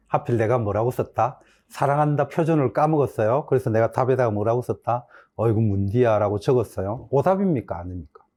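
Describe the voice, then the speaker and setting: A middle-aged man from Busan with a Gyeongsang accent, giving an exam-prep history lecture and answering his own questions. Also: medium pitch. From Busan, South Korea. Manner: animated, asks the class questions and answers them himself.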